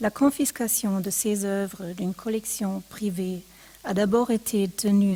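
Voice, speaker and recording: Speaking with a non-native accent, a woman goes at a very slow pace with fairly even intonation. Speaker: provenance researcher at a museum. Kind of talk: lecture. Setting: seminar with live audience. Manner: formal; some hesitations.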